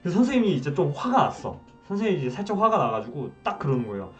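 A man's voice: a little high, rapid-fire. A man in his twenties from South Korea, casually telling a story to camera and acting out the scenes. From Wonju, South Korea. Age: 20s. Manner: animated, acts out scenes. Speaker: vlogger. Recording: dull sound, slightly distant, music behind.

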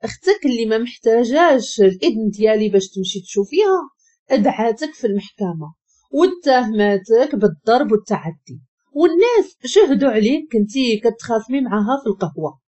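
A woman's voice: on the high side, very animated, brisk, breathy edge. A woman voicing a harsh angry husband. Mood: scornful. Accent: Moroccan. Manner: curt, shouting commands. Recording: dull lo-fi recording.

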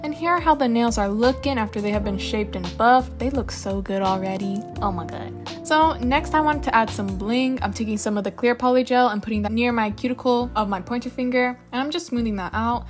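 Chatty young woman with a higher voice. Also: a little fast. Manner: chatty, laughs often, rambling asides. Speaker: nail tutorial creator. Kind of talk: casual voice-over narration. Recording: voice-over with faint music.

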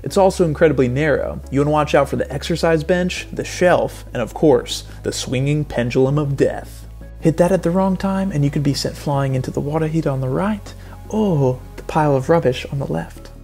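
Guy doing fake golf commentary, kinda high voice, earnest broadcaster delivery, a little music under it. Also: brisk. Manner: earnest play-by-play, building to excited outbursts. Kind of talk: parody sports commentary.

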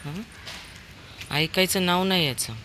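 A woman with a hoarse voice from a cold, talking casually while she walks her dog outdoors and fondly scolds it. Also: fairly low pitch, measured pace, noisy background. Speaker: dog owner vlogger. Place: outdoors in a housing society.

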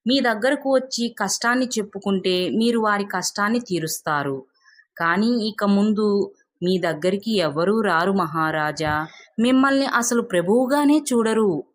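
A sly village man from a storybook , acted out by a woman narrator. He is envious and always plotting. He speaks with flattering, pleading insistence to get his way. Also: mid-range voice, measured pace. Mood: flattering, insistent.

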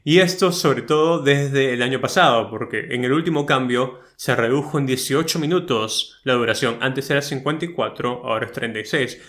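A man's voice: medium pitch, fairly bright tone. A man tutoring for an English exam in a casual video lesson, talking straight to the viewer with frequent tag questions. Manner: chatty, tags sentences with ¿no? and ¿ok?; direct, advising tone, addresses the viewer as tú.

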